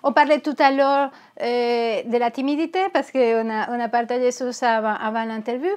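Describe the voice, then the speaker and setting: A woman's voice: on the high side, little pitch movement, normal speed, darkish tone. A woman from Venezuela with a Venezuelan Spanish accent, a therapist speaking earnestly in an interview, often restarting her words. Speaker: therapist and guest. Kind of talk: candid interview talk.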